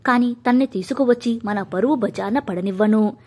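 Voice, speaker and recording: A woman voicing a stern middle-aged mother who is proud and fierce about family honour, talking in a sharp, scolding way. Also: fairly high pitch, moderate pace, close to an everyday voice. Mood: pained, firm. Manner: sharp and scolding, softening into grief.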